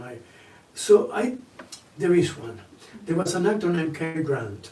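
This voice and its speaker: With a Spanish accent, a man talks at a fairly quick pace and a high pitch with lively intonation, amid noticeable background noise and audible room echo. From Argentina. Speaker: actor and singer. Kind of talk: interview.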